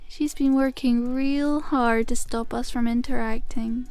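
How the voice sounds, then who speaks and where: Slow, teasing werewolf girlfriend, acted by a woman. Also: a little high, darkish tone, smooth, no echo. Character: playful possessive female werewolf demon girlfriend. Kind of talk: intimate ASMR roleplay acting.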